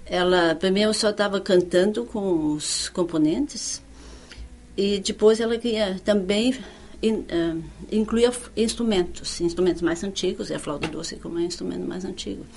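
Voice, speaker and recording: An older woman who is not a native speaker, recalling her years as a music teacher in an oral history interview, speaking haltingly with frequent restarts. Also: medium pitch, steady tone, creaky, a little mellow, slight background noise. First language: not Portuguese.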